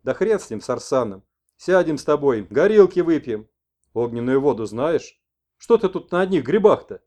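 A man's voice: a little high, big pitch swings, moderate pace, mellow. A man voicing a talkative old village grandfather with a folksy, colloquial manner.

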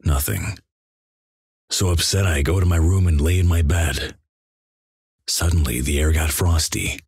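A man reading internet stories aloud in a deadpan, flat manner. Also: rumbling low, a little slow, slightly rough, dry recording, clean studio sound. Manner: deadpan, flat delivery of crude jokes.

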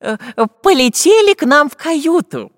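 A man's voice: extremely high pitch, very animated, moderate pace, a bit bright, dry recording, clean studio sound, in a large hall, pitched above the performer's own voice, exaggerated voice. A man voicing a fussy, hesitant old male professor.

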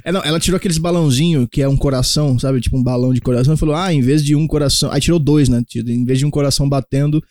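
A man's voice: mid-range voice, steady tone, racing, hardly any pauses, mellow, no echo, studio quality. A man co-hosting a casual comedy podcast, telling stories and acting out quotes for laughs. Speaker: podcast co-host.

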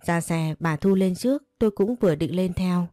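Low, mellow woman narrating a story. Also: normal speed, dry recording, studio quality. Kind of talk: scripted first-person story narration. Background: faint music.

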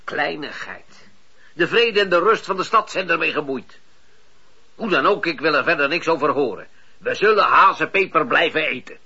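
An actor playing a scheming, dismissive man with a husky voice and a brusque manner in a radio drama. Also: a little high, lively intonation, moderate pace, pushed and bright, heavily acted. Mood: irritated, dismissive. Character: scheming, dismissive, self-satisfied man, brusque when challenged. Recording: dull lo-fi radio recording.

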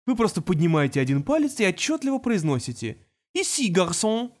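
A man's voice: sits high, sing-song, a little fast, pitched above the performer's own voice. A man voicing a patient teenage boy genius who talks in a precise, lecturing way.

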